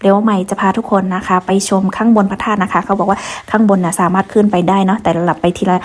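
Woman vlogger, from kengtung, chatty walking tour, outdoors, medium pitch. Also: steady tone, fast. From Kengtung, Shan State, Myanmar. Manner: chatty, addresses viewers, many soft polite particles. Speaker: vlog host. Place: outdoors at a hilltop pagoda.

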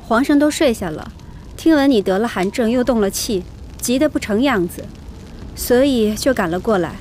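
Actress as a composed, higher-voiced empress. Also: female voice, expressive, normal speed, darkish tone, natural voice. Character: composed, dutiful young empress. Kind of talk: Chinese period palace drama acting. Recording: faint background noise.

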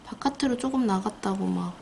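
A woman with a Gyeongsang Korean accent gives a casual hands-on nail tutorial. Her voice sits at a middle pitch with plenty of creak. A light noise runs behind her in the studio. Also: brisk. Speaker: nail art instructor. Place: indoor nail art studio. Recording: noisy room, steady background noise.

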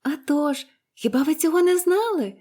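A bubbly, talkative little orphan girl who gushes eagerly, pitched well above an ordinary grown-up voice, as a woman reads her aloud. She is from a storybook. Her voice is high and bright, bouncing along with delight. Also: normal speed, close to an everyday voice. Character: cheerful chatty young orphan girl.

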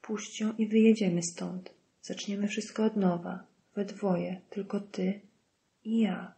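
A woman voicing a wounded man who pleads and then speaks faintly, in a hushed near whisper. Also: medium pitch, fairly even intonation, unhurried, creaky. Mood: pleading.

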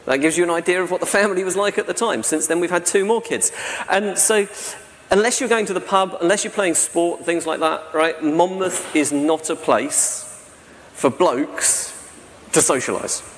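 A man in his forties gives a conference talk from a lectern mic, chatty and self-deprecating, often tagging on "right?". His voice sits a little high for a man. The big hall adds a long reverb and a faint hiss behind him. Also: moderate pace, fairly bright tone. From South-East England. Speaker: conference speaker. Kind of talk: presentation talk. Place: large dark hall on a stage with projection screen. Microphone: stand mic at lectern.

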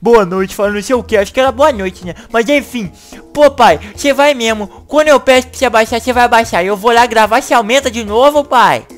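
A woman hosting a gaming channel, acting in a comedic video-game animation with an excitable, whiny way of talking. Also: a little high, soft background music. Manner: excitable, whiny, fast bursts.

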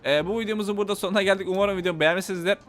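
A man giving casual gameplay commentary, excitable, shouting angry threats one moment and muttering calmly to himself the next. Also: high voice, rapid-fire, soft background music. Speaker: gameplay YouTuber.

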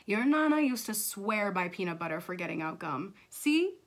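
A woman's voice: mid-range voice, sing-song, normal speed. A woman voicing an affectionate but firm Latina mother in a children's storybook, by turns cooing and scolding. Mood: soothing, firm.

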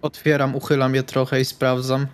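A man's voice: medium pitch, monotone, moderate pace, clear, resonant tone. A man playing a tabletop role-playing game, describing what his character does.

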